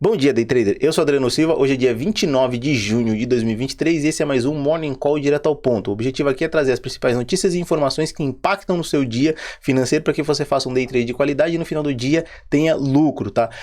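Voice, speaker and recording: A man speaks very fast in a fairly high pitch, with hardly any pauses. His pitch varies in an ordinary way, and the recording is very clean with a silent background. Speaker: market commentator, day trading show host. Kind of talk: morning market briefing.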